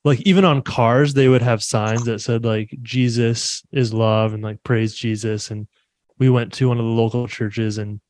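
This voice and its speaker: A man's voice: medium pitch, level tone, normal speed, a little mellow, no room sound, clean studio sound. A man hosting a podcast, talking in an easygoing, chatty way and laughing often. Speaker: podcast host. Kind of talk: casual interview chat.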